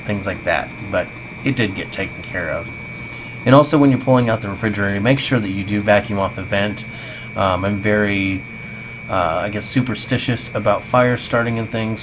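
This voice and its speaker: A man with a fairly low voice chats casually as he narrates a home vlog. The sound is tinny, like talking through a tin can, on a basic microphone. Clear background noise sits behind the voice. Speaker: vlogger. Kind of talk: casual voice-over narration of housecleaning. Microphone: basic home microphone, voice-over.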